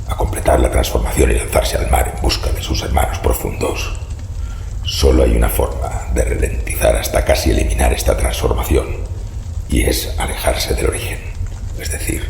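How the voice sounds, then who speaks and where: Un actor que interpreta a un hombre mayor, siniestro y cortés, de linaje maldito, con voz rasposa y tono solemne en una audioserie de terror. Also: male voice, very deep voice, little pitch movement, darkish tone, heavily acted. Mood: grave, ominous. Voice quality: gravelly, rasping, breathy. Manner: slow, formal, ominous storytelling. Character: sinister older man descended from cursed fish-like cultists, grave, courteous. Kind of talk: horror audio drama acting. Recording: echoey reverberant room, faint noise.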